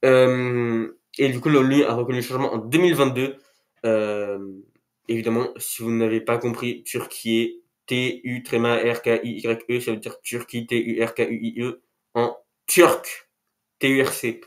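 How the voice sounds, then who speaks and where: A man with a cold making a casual YouTube video, rambling with self-mocking jokes as he talks to camera indoors. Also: medium pitch. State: has a cold, sniffly. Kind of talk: casual talking-head video. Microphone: camera mic.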